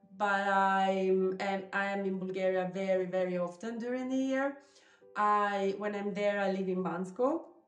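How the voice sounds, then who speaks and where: Speaking in an Italian accent, a woman with medium pitch and ordinary pitch variation keeps a fairly slow pace. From Italy. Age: 30s. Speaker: digital marketing consultant. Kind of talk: interview testimony.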